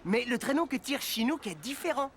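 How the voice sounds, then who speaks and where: A man's voice: extremely high pitch, animated, fairly quick, slight background noise. A man voicing a friendly, patient sled-dog driver in a children's cartoon, explaining things encouragingly. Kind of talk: animated children's cartoon dialogue.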